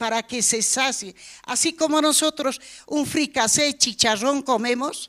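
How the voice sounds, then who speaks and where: In a very clean recording with a silent background, a woman speaks at a fairly slow pace. Her voice is high, with ordinary pitch variation. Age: 70s. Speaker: church member. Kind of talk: testimony.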